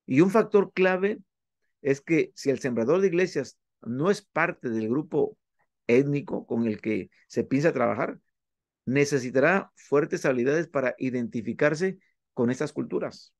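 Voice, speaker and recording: A man teaching a class, working through his points methodically and listing items one at a time with pauses. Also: medium pitch, expressive, no echo. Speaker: instructor. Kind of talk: classroom lecture on church planting.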